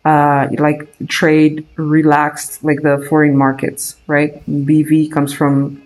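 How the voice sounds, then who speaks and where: A man's voice: a little high, completely flat delivery, slow pace, a little mellow, poor audio. A young man from Romania with a Romanian accent, chatting casually on a live trading stream, thinking aloud with many fillers and restarts. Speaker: day trader streaming live.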